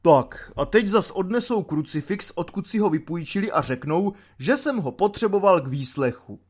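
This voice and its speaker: Audiobook role: man playing a bossy, self-important sergeant, lively and loud when barking orders. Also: high voice, breathy edge, pitched above the performer's own voice. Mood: commanding. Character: pompous stern male gendarme sergeant.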